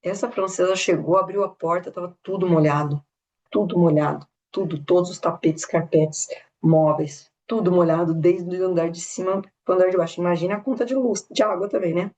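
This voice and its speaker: A Brazilian woman casually retelling a story at a spiritist study talk, animated, with many tag questions and restarts. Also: lowish voice, brisk. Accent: São Paulo interior Brazilian Portuguese.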